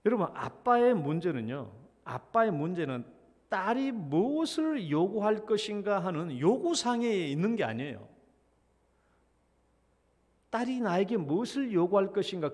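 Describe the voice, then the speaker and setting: A man's voice: sits high, long reverb tail. A middle-aged man, a senior pastor, preaching a sermon in a storytelling way, acting out a child's pleading and his own pretended reluctance. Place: church sanctuary.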